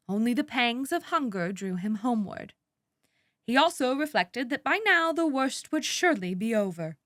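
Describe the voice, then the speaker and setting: A woman reading scripted narration as an audiobook narrator, in a measured, precisely enunciated way. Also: a little high, no echo, studio quality.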